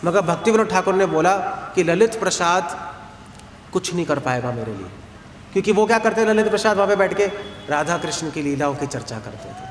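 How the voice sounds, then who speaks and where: Calm monk preaching in an echoey space. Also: male voice, a little high, slight background noise. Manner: calm, explanatory, mixes English words into Hindi. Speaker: monk and spiritual teacher. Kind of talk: devotional talk to a gathering. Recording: echoey outdoor space with long reverb, faint ambience.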